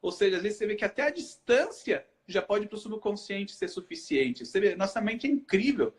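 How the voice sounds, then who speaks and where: Animated high-voiced Brazilian man explaining. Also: a little fast. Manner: animated, rhetorical questions he answers himself. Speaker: hypnotherapist host. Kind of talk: casual live chat, explaining.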